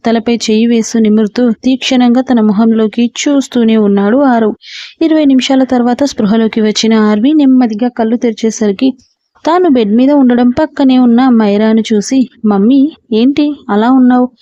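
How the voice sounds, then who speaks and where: A woman storyteller giving a steady scripted story narration. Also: a little high, moderate pace, dry recording, dull audio.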